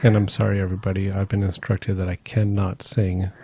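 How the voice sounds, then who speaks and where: A man's voice: deep voice, little pitch movement, fairly quick, warm tone, husky. A man acting as co-host on a live tutorial, joking casually in a playful, mock-apologetic way. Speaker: off-camera helper and co-host.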